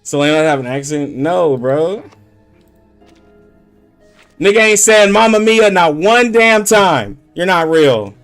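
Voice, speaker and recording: A man's voice: on the high side, expressive, slow pace, pauses often, a bit bright, faint music behind. A man streaming games, chatting casually with heavy slang and many "like" fillers, laughing often. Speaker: gaming streamer. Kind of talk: casual livestream chat.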